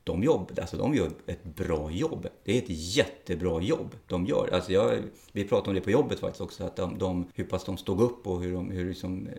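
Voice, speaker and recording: A man's voice: deep voice, creaky, hardly any pauses, mellow. A middle-aged man, a police officer, speaking frankly and bluntly in a casual interview, with the odd curse word. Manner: frank and blunt, plain-spoken with occasional swearing.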